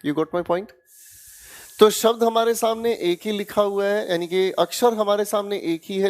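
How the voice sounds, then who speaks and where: A man's voice: sits high, a little mellow. A man with an Indian accent teaching English grammar in an online exam-prep lecture, coaxing students and checking again and again that they follow. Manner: coaxing, keeps checking students with "haan ya na?" and "theek hai beta?".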